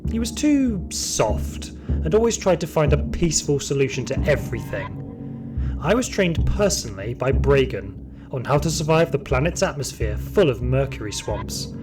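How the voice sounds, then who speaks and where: A man playing a sadistic, power-hungry security guard, narrating his story in an audio drama with deliberate menace. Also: mid-range voice, sing-song, close to an everyday voice. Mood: gloating menace. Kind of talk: scripted first-person audio drama monologue. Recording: music behind the voice.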